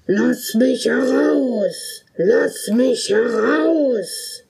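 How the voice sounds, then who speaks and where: A woman doing a slow, booming bottle spirit. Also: vocal fry, husky, full character voice. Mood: pleading. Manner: slow, loud, drawn-out calls. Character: arrogant male spirit trapped in a bottle.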